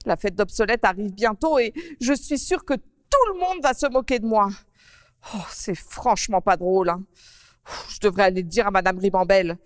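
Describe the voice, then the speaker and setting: A woman's voice: medium pitch, normal speed, dry recording, clean studio sound, in a large hall, lightly acted. A woman voicing a fretful young woman with a flower on her nose, who exclaims and stammers while speaking to the children in a children's TV story. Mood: fretful flustered.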